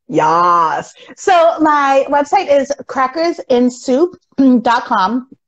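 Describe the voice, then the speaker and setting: Speaking very slowly with a strong New England accent, a woman uses a high pitch with very wide swings while keeping her loudness very even. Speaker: podcast host and podcast management business owner. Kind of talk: interview. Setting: live stream video call.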